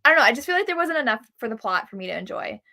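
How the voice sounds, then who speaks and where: Bright, high-voiced woman chatting about books. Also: very animated, racing, vocal fry. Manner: heavy use of "like". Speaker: co-host of a book club readalong. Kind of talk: casual book chat, live show.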